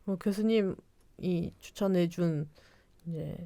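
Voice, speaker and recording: A woman's voice: on the low side, takes it slowly, warm tone, no room sound. A woman with a Korean regional accent, chatting casually as a podcast guest in a rambling, giggly, self-deprecating way. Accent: Korean regional dialect. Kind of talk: casual conversational storytelling.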